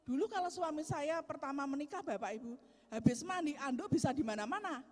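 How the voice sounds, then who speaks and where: Lively loud woman preaching in a hall. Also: high voice, a little fast. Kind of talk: sermon. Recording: echoey hall.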